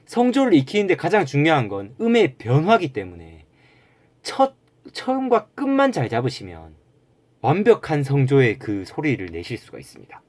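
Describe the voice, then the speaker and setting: A man's voice: fairly high pitch, wildly swooping pitch, normal speed, darkish tone. A man teaching Chinese pronunciation in a spoken lesson, explaining patiently and singing scale notes and held tones to show each tone. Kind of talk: spoken lesson with sung demonstrations.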